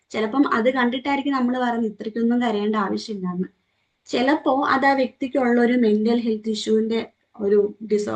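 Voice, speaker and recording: A young woman with a Malayali accent leads a group training session, asking the listeners questions and acting out quoted remarks. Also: fairly high pitch. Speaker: trainer leading a morning session. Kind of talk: interactive talk to a group.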